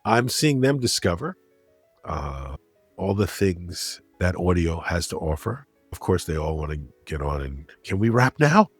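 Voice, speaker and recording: A man's voice: low-pitched, sing-song, unhurried, husky, faint music behind. A middle-aged or older man speaking as an interview guest, conversational and anecdotal. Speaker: interview guest, critic and broadcaster.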